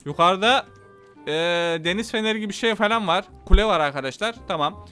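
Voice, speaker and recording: A man with a Turkish accent giving excitable, casual gameplay commentary, talking to his viewers and swearing playfully. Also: high voice, fast talker, faint music behind. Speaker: gameplay YouTuber.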